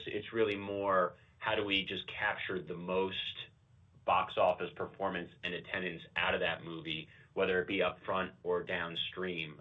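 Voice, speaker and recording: A man with a very deep voice speaks as an executive taking analyst questions. He explains things in a measured, qualified way. The conference call audio is slightly dull and muffled. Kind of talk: earnings call answers.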